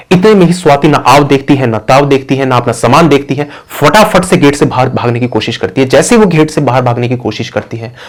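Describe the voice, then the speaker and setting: A man telling a real-life horror story in a low-key storytelling manner. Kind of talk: storytelling narration.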